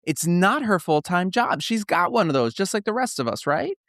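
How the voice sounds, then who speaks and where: A man's voice: sits high, sing-song, moderate pace, a bit bright, no room sound, studio quality. A man hosting a podcast in an upbeat, conversational style, with a folksy, emphatic and playful delivery. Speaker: podcast host.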